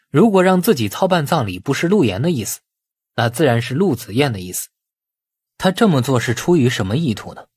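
A man reading a novel as a dramatic audiobook narrator, with expressive storytelling. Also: medium pitch, husky, dry recording, studio quality. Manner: expressive storytelling, acting out dialogue.

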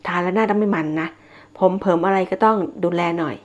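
Woman, tarot reader, casual monthly horoscope, chatty and repetitive, low voice, muffled lo-fi sound. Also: quick pace, a little mellow. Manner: chatty, repeats herself, frequent fillers and polite particles.

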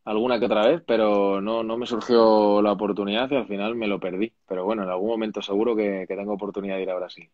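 Chatty Madrid actor on a video call. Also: male voice, on the low side, fast talker, few pauses, no echo, muffled recording. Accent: Castilian Spanish. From Madrid, Spain. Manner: animated, chatty, with many restarts. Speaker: actor, interview guest. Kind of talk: casual interview over video call. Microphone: video call, laptop or phone mic.

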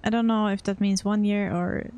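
A woman's voice: mid-range voice, fairly even intonation, normal speed, darkish tone. A young woman streaming a game, musing aloud with murmurs and casual reactions. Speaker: gaming streamer. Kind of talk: casual let's-play commentary.

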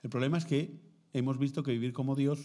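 A man's voice: mid-range voice, fast talker. A man from Spain, a priest and theology lecturer, gives a formative talk to contemplative nuns, telling stories with acted quotes and checking in with the listeners. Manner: lively storytelling with acted quotes, frequent "¿mm?" check-ins. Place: seminary lecture hall.

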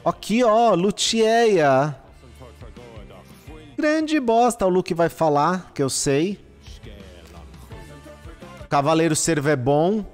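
A man, commentating a live gaming stream, excitable and exclaiming and swearing at what he gets. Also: high voice, takes it slowly, long pauses. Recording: long reverb with faint music behind. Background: faint background music.

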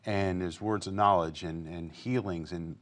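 A man with a very deep voice hosts a talk show. He asks questions and keeps affirming his guest with "yeah" and "mm-hmm". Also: steady tone, unhurried, slight background noise. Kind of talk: interview questions.

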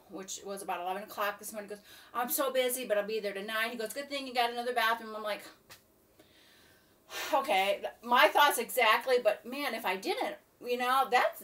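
A woman's voice: on the high side, a bit bright. An older woman chatting to camera in her home kitchen, rambling and complaining. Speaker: vlogger. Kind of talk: casual chat to camera. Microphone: laptop webcam from a few feet away. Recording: distant laptop mic, faint room noise.

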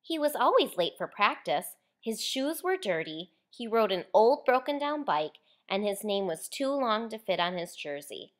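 Lively woman reading a picture book. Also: medium pitch, moderate pace, few pauses. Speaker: author reading own book aloud. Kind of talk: expressive children's picture book read-aloud.

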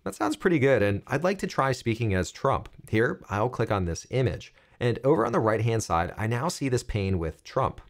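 An American man in his thirties giving clear, step-by-step instructional narration for a software tutorial. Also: medium pitch, sing-song, normal speed, few pauses. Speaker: tutorial presenter.

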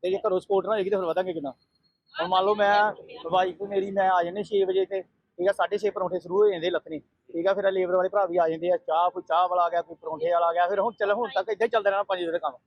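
Guy who runs a food stall, talks fast and earnest, kinda muffled dry recording. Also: high voice, fairly even intonation, dry recording. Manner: earnest, repeats himself. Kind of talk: casual interview.

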